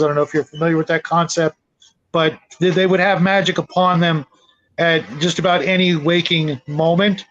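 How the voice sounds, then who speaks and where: A man's voice: high voice, a bit bright. A man hosting a casual panel discussion on a hobby, explaining things by way of examples. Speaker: host of a tabletop gaming panel. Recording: dull lo-fi audio.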